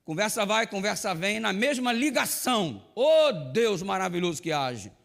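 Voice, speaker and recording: A man, a pastor, preaching a sermon with a personal story, lively and swinging from loud to hushed. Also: high voice, moderate pace, gravelly.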